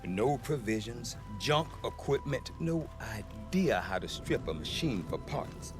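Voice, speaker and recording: An actor playing a wily, sentimental tribal trader in a video game, talking in a wry, theatrical, self-justifying way. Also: male voice, mid-range voice, animated, unhurried, over music. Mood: wry, grumbling. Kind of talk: video game cutscene acting.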